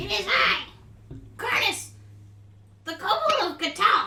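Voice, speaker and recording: This is a put-on character voice at an extremely high pitch. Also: fairly slow pace. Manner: formal, announcing himself.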